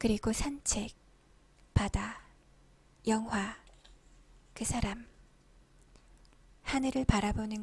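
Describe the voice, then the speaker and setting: A woman's fairly high, somewhat breathy voice, calm in tone with fairly even intonation. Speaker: audiobook reader. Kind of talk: audiobook reading of an essay book, ASMR-style. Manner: soft, calm, slow.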